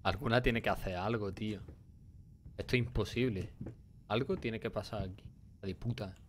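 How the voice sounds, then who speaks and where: A man's voice: on the low side, steady tone, moderate pace, background noise. A young man with a Spain Spanish accent giving crude, swearing, laugh-prone commentary while streaming a horror game. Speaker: gameplay streamer. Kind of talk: casual horror let's-play commentary.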